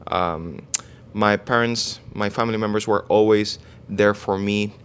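A young man from Venezuela, a guest in a casual interview, who speaks haltingly, restarts often and searches for words. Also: fairly low pitch, fairly even intonation, clear, resonant tone. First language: Spanish. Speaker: guest, online fitness coach.

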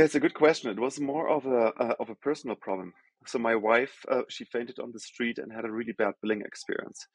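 German-accented man, low gravelly voice. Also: no room sound, rough recording. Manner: measured, explanatory, frequent "um" and self-corrections. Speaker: company founder and guest. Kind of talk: conversational podcast interview.

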